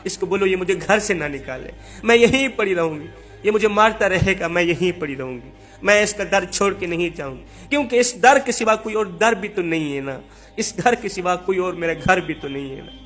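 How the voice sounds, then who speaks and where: A man's voice: high voice, animated, a bit bright. A man voicing a mistreated wife who pleads through tears, in a repetitive lament, in a religious storytelling video. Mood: pleading.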